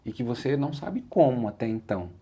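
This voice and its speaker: Talking fast with a sing-song lilt, a man with a medium-pitched, dark and slightly rough voice shares his story as an interview guest. He is a motivational speaker with a Brazilian Portuguese accent, earnest and reflective, who keeps saying "said like this" when quoting himself.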